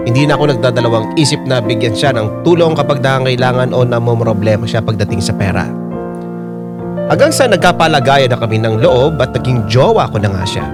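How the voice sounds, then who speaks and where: Guy playing earnest gay man narrating his love story, radio drama, mid pitch, piano music behind him. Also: close to an everyday voice. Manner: confiding, earnest. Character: lovestruck gay salon worker telling his own story. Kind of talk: scripted first-person radio drama narration.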